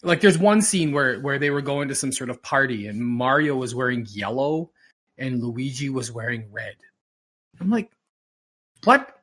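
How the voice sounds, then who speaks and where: On an audio-only podcast recording, a male host chats casually and rambles, his voice medium-pitched, expressive, fairly bright and husky at a normal speed. He sounds emphatic and exasperated, repeating himself to drive his points home.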